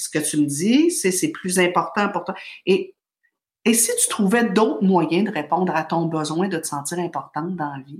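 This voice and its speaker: In a Quebec accent, a woman talks fairly slowly at a fairly low pitch with ordinary pitch variation and big swings in loudness. The recording is very clean, with a silent background. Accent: Québécois French. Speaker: parenting coach and author. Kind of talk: interview.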